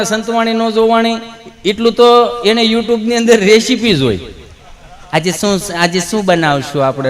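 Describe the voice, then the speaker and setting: A man telling folk comedy stories on stage, acting out the dialogue with sudden jumps in voice. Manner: animated storyteller, acts out dialogue with sudden pitch jumps. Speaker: stand-up comedian. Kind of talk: Gujarati folk comedy storytelling. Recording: stage mic with long hall reverb.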